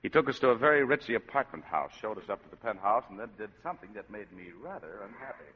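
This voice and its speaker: A man's voice: lowish voice, expressive, fast talker, breathy edge. A man narrating and playing a hard-boiled detective in 1940s radio style, wisecracking and tough. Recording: dull old radio recording, long reverb, faint music.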